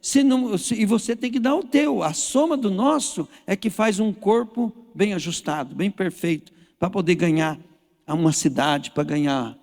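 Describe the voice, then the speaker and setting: A man's voice: high voice, normal speed, vocal fry, a little mellow. A man with a Brazilian Portuguese accent preaching a sermon in a folksy, storytelling way, speaking straight to the congregation. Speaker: pastor. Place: church hall. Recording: reverberant church hall.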